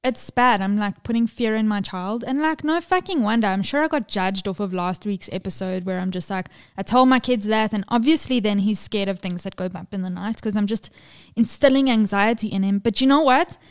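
A woman's voice: mid-range voice, brisk, clean tone. A woman in her thirties co-hosting a podcast, chatting candidly about parenting, swearing freely and acting out the people in her stories. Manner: candid, swearing, acts out quotes. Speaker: podcast co-host. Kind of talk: casual chat.

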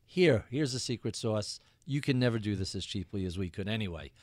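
Man in his fifties hosting an interview. His voice is mid-pitched, and he comes across as curious and chatty, often restarting his sentences. The sound is dry and close. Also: animated, a little fast, no echo. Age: 50s. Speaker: podcast host. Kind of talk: interview conversation.

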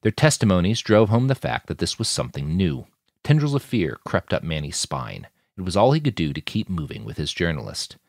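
A man narrating a story in scripted audiobook style, his voice low but moving widely in pitch. The sound is close and dry, with no room around it. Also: big pitch swings, fairly quick, creaky, no room sound.

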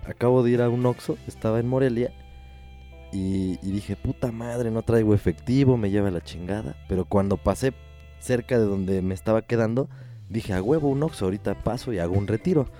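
Low, mellow Mexican man telling a story. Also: fairly quick, soft background music. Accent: Mexican Spanish. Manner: profane, exasperated storytelling. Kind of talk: casual storytelling chat.

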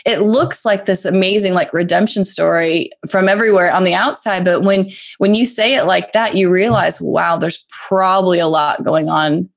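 A woman's voice: fairly low pitch, fairly even intonation, moderate pace, gravelly, few pauses. Earnest woman sharing her faith story. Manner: earnest, heartfelt, restarts phrases. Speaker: podcast guest. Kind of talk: faith-based conversational sharing.

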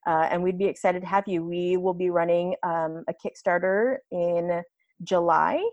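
Chatty woman guest in her 30s, lowish voice, dry close sound, laughs a lot. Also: normal speed, no room sound, dull audio. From United States. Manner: chatty, laughs often, animated. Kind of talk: casual interview chat.

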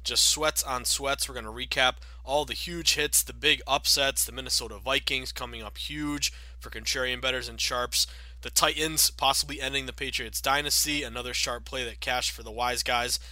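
A man in his thirties hosting a sports betting podcast, chatty and upbeat with many fillers, sounding a bit raspy from a cold. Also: mid-range voice, steady tone, moderate pace, sharp tone, no room sound, low-quality recording. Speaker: podcast host.

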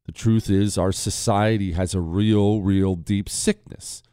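A man's voice: lowish voice, fairly even intonation, unhurried, mellow, smooth, no room sound, studio quality. A man hosting a talk radio show, delivering a blunt, emphatic opinion monologue while nearly losing his voice and sucking a cough drop.

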